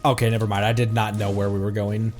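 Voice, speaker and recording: A man's voice: on the low side, level tone, fast talker, darkish tone. A man giving casual, joking, sarcastic commentary as he streams a game. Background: faint game music.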